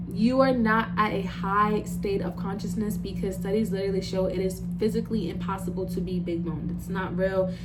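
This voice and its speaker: A woman talks at a fairly quick pace with hardly any pauses, with noticeable background noise and audible room echo. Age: 20s. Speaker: lifestyle and self-growth vlogger. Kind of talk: casual vlog talk to camera. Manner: fast; animated.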